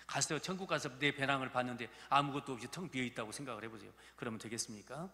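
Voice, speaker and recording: In a reverberant church sanctuary, a fifties-aged pastor originally from Gurye, South Jeolla, jokes folksily through a sermon in his Jeolla Korean accent. He speaks very fast in a mid-range voice that's pushed and bright.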